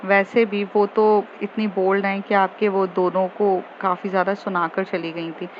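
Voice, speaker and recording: A woman voicing a cheeky, teasing younger sister who speaks softly and slowly, with a knowing tone. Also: mid-range voice, little pitch movement, lo-fi sound, a little hiss or hum, natural voice. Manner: soft, slow and knowing.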